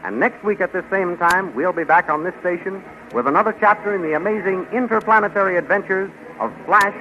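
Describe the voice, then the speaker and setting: A man announcing a radio serial in a crisp, promotional, scripted manner. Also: high voice, a little fast, soft background music. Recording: muffled 1930s radio recording.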